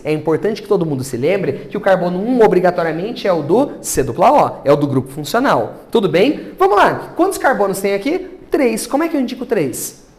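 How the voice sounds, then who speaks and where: A man with a Brazilian Portuguese accent teaching a chemistry class, asking his students questions and then answering them himself. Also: high-pitched. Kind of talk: classroom lecture.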